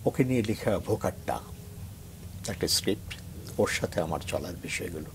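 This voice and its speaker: On a TV morning show set, a middle-aged reciter from Bangladesh shares earnest, reflective thoughts and then recites a poem with growing emphasis. He speaks in a low, expressive voice at a moderate pace, and a little hiss or hum is audible.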